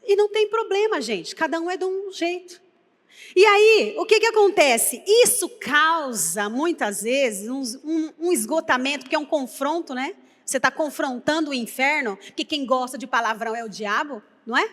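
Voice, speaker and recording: High bright-voiced Brazilian woman preaching. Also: normal speed, in a large hall. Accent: Brazilian Portuguese. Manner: lively storytelling, acts out quoted dialogue. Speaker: pastor. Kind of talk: sermon. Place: church sanctuary.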